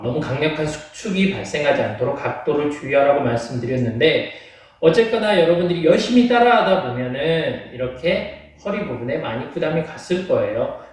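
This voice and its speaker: A man instructing an exercise class, explaining politely and encouragingly and checking in with those following along. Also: fairly high pitch. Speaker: home training fitness instructor. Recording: very echoey room, distant from mic.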